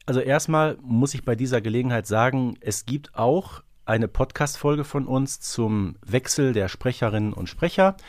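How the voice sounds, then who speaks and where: In a casual podcast discussion about an audio drama series, this male co-host thinks aloud reflectively and hesitantly. He speaks at a normal speed with hardly any pauses, his mid-range voice darkish in tone, recorded cleanly in a studio without echo.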